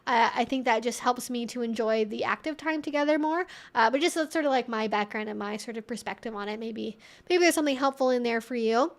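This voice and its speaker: A woman's voice: a little high, brisk, few pauses. A woman hosting a casual Q&A, giving conversational advice in an informal, rambling way with frequent asides. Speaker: livestream host and relationship educator answering viewer questions.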